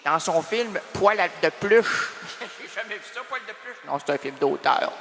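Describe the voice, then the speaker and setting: A man's voice: high-pitched, expressive, moderate pace, gravelly, bright, forceful tone, in a large hall. A man with a Quebec French accent hosting a radio show in a rambling comic monologue, full of teasing wordplay and repeated phrases. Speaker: radio host.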